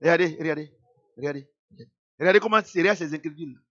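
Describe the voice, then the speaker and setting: Emphatic preacher with a cold, high voice. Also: male voice, fast talker, fairly bright tone, muffled recording. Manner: emphatic, repetitive, mocking rhetorical questions. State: has a cold. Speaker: pastor. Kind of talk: sermon.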